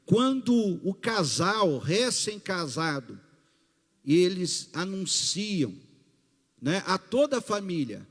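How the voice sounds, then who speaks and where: A male pastor with a Brazilian Portuguese accent, preaching a sermon in a slow, emphatic way with rising bursts. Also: high voice, sing-song, a bit bright. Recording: long hall reverb with faint music.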